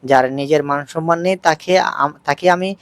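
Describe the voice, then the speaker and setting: A man's voice: a little high, fairly even intonation, brisk, clear, resonant tone, no room sound, close to an everyday voice. A man doing a sneering younger brother. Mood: taunting. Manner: mocking, taunting.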